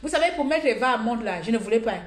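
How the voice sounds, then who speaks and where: A woman's voice: fairly high pitch, racing. Blunt, humorous woman in an echoey room. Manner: blunt, humorous, animated storytelling. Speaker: lifestyle vlogger giving advice. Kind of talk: casual monologue to camera.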